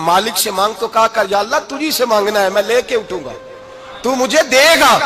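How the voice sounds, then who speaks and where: A man's raised, projected voice at an extremely high pitch, with ordinary pitch variation and noticeable background noise. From Pakistan. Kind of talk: Islamic sermon (bayan), emotional storytelling.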